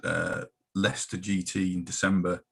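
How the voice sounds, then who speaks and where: A man's voice: low voice, level tone, normal speed, creaky, breathy edge. A man co-hosting a casual hobby chat, hesitant with many ums. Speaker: podcast co-host.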